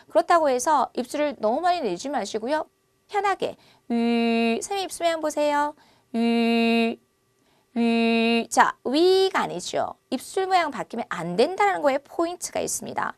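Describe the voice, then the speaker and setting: Bright-voiced woman teaching Chinese vowels. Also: high-pitched, dry recording. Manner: lively, drills vowel sounds loudly and slowly. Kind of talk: online language lesson.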